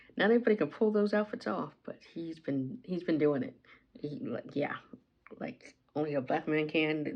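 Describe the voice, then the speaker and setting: A woman mumbles at a moderate pace in a very deep, low voice. Her intonation is lively. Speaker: beauty vlogger. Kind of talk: casual chat. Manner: mumbling.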